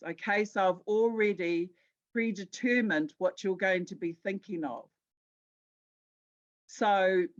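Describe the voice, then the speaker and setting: A New Zealand woman presents an educational talk in a mid-pitched voice. She is conversational and emphatic, moving between explanation and storytelling. The recording is dull and slightly muffled. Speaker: guest speaker at a Māori health conference.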